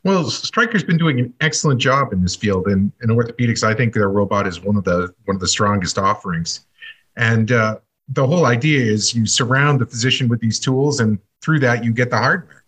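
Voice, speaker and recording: Male guest analyst, mid pitch, husky, measured explanatory delivery. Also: fairly bright tone. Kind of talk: measured expert commentary.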